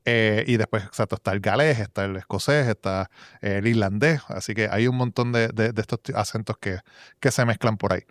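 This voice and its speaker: Man with a smooth, dry voice. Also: fairly low pitch, a little fast, no echo. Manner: thinks aloud with frequent restarts and fillers. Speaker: podcast co-host. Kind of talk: casual conversational podcast chat.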